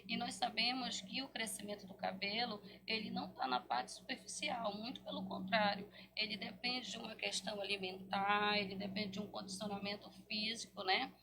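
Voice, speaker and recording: A Brazilian woman speaking as a specialist guest in an interview, explaining didactically and pausing to find words. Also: medium pitch, fairly even intonation, poor audio. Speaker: hair therapy specialist guest.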